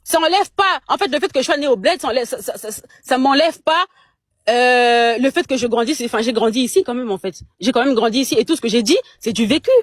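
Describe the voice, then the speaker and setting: A woman's voice: fairly high pitch, expressive, quick pace, dry recording, clean studio sound. A young Congolese woman in a heated casual chat, speaking French with a Congolese accent, emphatic and indignant, stumbling over repeated words. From Democratic Republic of the Congo. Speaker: guest on a live chat.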